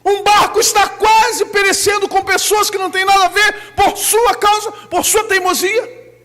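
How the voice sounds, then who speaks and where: A man with a Brazilian Portuguese accent preaching a sermon as pastor, breaking into loud shouted bursts. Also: extremely high pitch, flat delivery, moderate pace, in a large hall.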